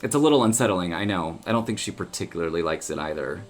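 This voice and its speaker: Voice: deep voice, expressive, fast talker. A woman playing an easygoing, wry friend of a small-town oracle, talking casually and breezily in an audio drama.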